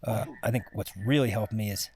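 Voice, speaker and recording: A man giving a casual first-person vlog monologue, sounding exhausted, with a weary, halting, rambling way of talking. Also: on the low side, fairly even intonation, mellow, slightly rough. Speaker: mountain climber recording a personal expedition vlog.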